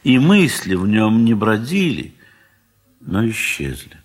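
Speaking on the low side, a man tells a classic story for a 1970s Soviet audio drama. His narration is dramatic and literary, with measured pauses that add expression.

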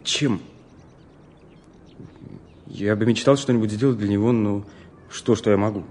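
An actor playing an earnest, troubled young student who speaks haltingly and seriously in an audio drama. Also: male voice, on the low side, steady tone, a little mellow, a little hiss or hum, natural voice. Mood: troubled recollection. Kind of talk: Russian audio drama acting.

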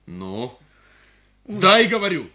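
A crude, brusque young husband. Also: male voice, high-pitched, huge pitch swings, takes it slowly, sharp tone, exaggerated voice. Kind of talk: Soviet radio play acting.

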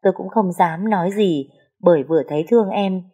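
A woman's voice: on the low side, brisk, mellow, husky. A woman narrating a sad first-person story in an emotional, lyrical way.

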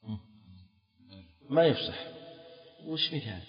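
A man's voice: mid-range voice, sing-song, a little slow, faint music behind. A man teaching Islamic law in a lecture, quizzing students and repeating key phrases. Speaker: Islamic scholar teaching fiqh. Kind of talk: classroom lecture on a text. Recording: dull lo-fi audio in a reverberant hall.

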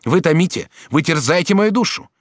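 A man's voice: on the high side, lively intonation, brisk, dry recording, studio quality, pitched above the performer's own voice. A man reading an audiobook, voicing a torn, agitated young man who resists a duchess. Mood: anguished. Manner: anguished, reproachful.

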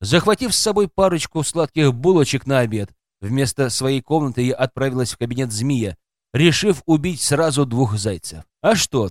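Sex: man. Style: expressive audiobook narration, lively pitch, dry sound. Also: no echo. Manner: expressive reading that voices a woman's inner thoughts. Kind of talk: scripted first-person narration.

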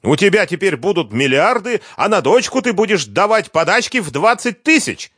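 A shrill, furious ex-wife in an audiobook, her voice pushed far up and swinging wildly as she screams accusations. The reading sounds dry and close, with no room around it. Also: big pitch swings, moderate pace, a bit bright, no echo, heavily acted. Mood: screaming fury. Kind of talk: audiobook character voice.

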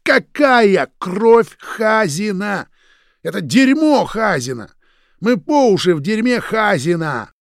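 A man voicing a hot-tempered young man who shouts in a strained, raised voice, in an audiobook. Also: on the high side, expressive, a little slow, no echo, clean studio sound, voice pushed up. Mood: shouting. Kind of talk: audiobook character voice.

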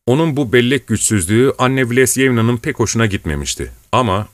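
A man narrating an audiobook in a steady, even storytelling manner. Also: medium pitch, a little fast, no room sound.

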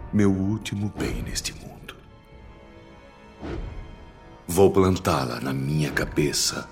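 Ruined, obsessed man, deep and slow. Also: a bit bright, exaggerated voice. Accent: Brazilian. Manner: anguished, melodramatic, bitter, deliberate. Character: ruined, obsessed man writing a bitter suicide letter. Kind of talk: radio drama acting in Brazilian soap style.

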